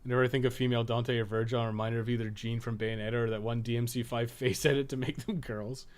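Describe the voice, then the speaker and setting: A man's voice: mid-range voice, flat delivery, fast. A man chatting informally and rambling through a live gaming stream, with a fair bit of swearing. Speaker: podcast co-host, game streamer.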